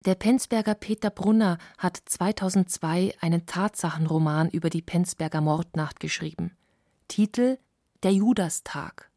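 Sober documentary narrator woman, warm tone. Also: fairly low pitch, dry recording, clean studio sound. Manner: measured, sober.

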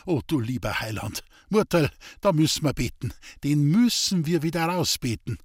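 A kindly old village priest, fretting and pleading with a slightly husky tone, as a male narrator puts him on. His voice lifts a little higher and louder than the storytelling around it. Recorded dry and close. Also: animated, moderate pace, no room sound. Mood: fretful.

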